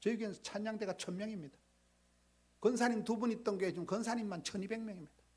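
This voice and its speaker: The speaker talks very fast in an animated tone with a Gyeongsang accent. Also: man, high pitch for a man. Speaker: pastor. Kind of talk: sermon.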